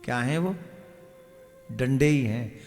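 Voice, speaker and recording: A man's voice: mid-range voice, takes it slowly, darkish tone. A man giving a devotional discourse as a Hindu preacher. He tells stories dramatically, acts out family scenes and keeps quizzing his listeners. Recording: reverberant hall with faint music.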